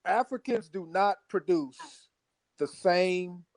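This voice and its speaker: A man in an informal debate, speaking haltingly as he firmly holds his position. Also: high voice, no room sound. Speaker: debate participant.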